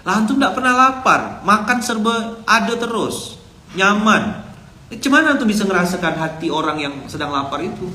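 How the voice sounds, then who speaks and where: A man's voice: high-pitched, lively intonation, normal speed, pushed and bright, slight background noise. A man preaching a casual, chatty sermon as an ustadz, telling stories and acting out dialogue. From Indonesia. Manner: chatty, storytelling, acts out dialogue. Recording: echoey room with faint ambience.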